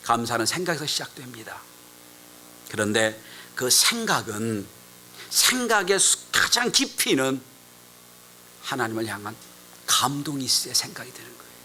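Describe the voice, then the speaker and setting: On a low-quality recording with a faint hiss and hum underneath, a male pastor preaches in a bright, forceful, medium-pitched voice at normal speed. He tells a story with big pitch swings and frequent pauses, suddenly getting loud for emphasis, then dropping to hushed asides.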